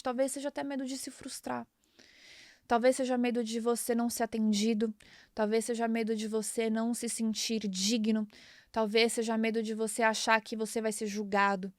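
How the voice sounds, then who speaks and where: A woman's voice: fairly high pitch, no room sound, studio quality. A woman in her thirties with a Brazilian Portuguese accent, hosting a podcast and sharing a personal faith testimony in an earnest, emotional way, often repeating herself. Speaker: podcast host.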